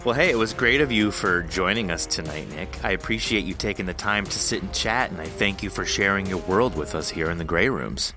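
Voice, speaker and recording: A man's voice: sits low, lively intonation, a little fast, few pauses, over music. A man hosting a casual interview, informal, enthusiastic and encouraging with his guest. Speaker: podcast host interviewing an author.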